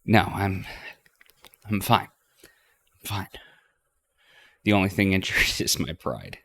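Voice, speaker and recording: A man's voice: low voice, sing-song, takes it slowly, vocal fry, a bit bright, exaggerated voice. A man voicing a confident, teasing young adventurer who leads the way in a visual novel read-aloud, casual and encouraging. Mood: reassuring.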